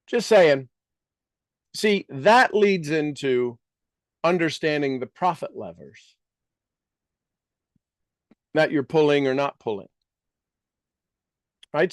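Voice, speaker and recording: A man speaking as a business coach in a motivational talk, asking rhetorical questions and repeating phrases emphatically with deliberate pauses. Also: on the high side, no room sound, studio quality.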